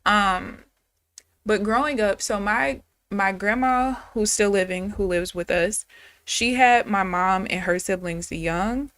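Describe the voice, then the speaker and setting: A woman's voice: mid-range voice, slow pace, a bit bright, no room sound. A woman in her thirties, a day trader chatting candidly and casually with viewers on a live stream. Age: 30s.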